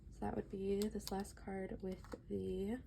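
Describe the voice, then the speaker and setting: A woman reads tarot in a casual, chatty, relaxed way, sometimes reading from a book aloud. Her voice is medium-pitched and creaky, measured in pace, and she sounds stuffy-nosed and a little breathless. There's noise in the background.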